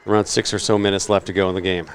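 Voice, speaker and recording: A man's voice: deep voice, little pitch movement, racing, a little hiss or hum. A man doing casual play-by-play commentary on a local football game, chatty and joking between plays. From Canada.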